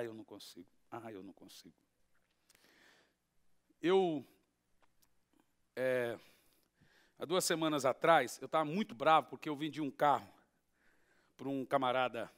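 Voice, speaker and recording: A Brazilian man preaching a sermon in a high, bright voice that swings widely in pitch. He drives his points with rising shouts and keeps putting questions to the congregation. His tone stays sharp and forceful. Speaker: pastor. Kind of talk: expository sermon.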